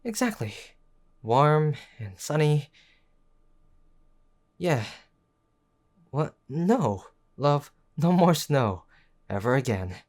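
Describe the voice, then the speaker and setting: A man playing a gruff but tender tsundere boyfriend in an intimate audio roleplay, speaking in a halting, earnest way. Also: fairly high pitch, very animated, darkish tone, voice pushed up, heavily acted. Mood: soft, teasing. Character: gruff young tsundere boyfriend, worried, stubborn, tender underneath.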